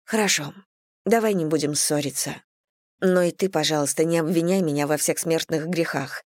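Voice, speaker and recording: Woman playing a weary businesswoman wife, firm, measured, low-ish voice, dry sound. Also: no room sound, close to an everyday voice.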